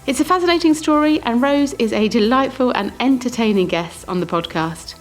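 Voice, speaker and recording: A woman's voice: fairly high pitch, expressive, a little fast, soft background music. A woman hosting a podcast, reading a scripted introduction and interviewing her guest.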